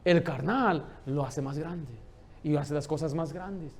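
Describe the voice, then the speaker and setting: A man, preaching a lively sermon in a church and telling stories with humor. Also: a little high, slow. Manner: lively storytelling, joking with the congregation. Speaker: pastor.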